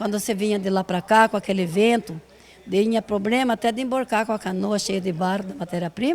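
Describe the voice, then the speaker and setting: A woman's unremarkable speaking voice, fairly high in pitch with ordinary variation, at a fairly quick pace. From Mato Grosso, Brazil (São Gonçalo Beira Rio, Cuiabá). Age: 60s. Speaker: ceramicist, community leader. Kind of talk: interview testimony.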